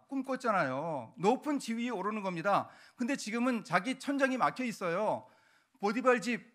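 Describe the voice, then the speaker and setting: A middle-aged male pastor preaching a sermon to his congregation, animated and emphatic, sometimes shouting for emphasis. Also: high-pitched. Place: church sanctuary.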